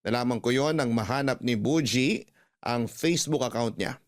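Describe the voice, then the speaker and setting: Man voicing a sad ex-con dad, middle-aged, quiet and sighing, soft music under. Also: medium pitch, moderate pace, lightly acted. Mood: reflective. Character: remorseful ex-convict father, middle-aged, longing. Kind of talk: Tagalog radio drama acting, in-character narration.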